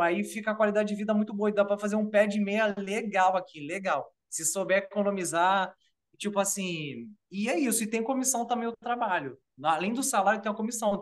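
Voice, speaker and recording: Relaxed Carioca man in his thirties. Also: high-pitched. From Rio de Janeiro, Brazil. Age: 30s. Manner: relaxed, rambling with fillers like "tipo" and "entendeu". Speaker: interview guest. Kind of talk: casual video-call chat.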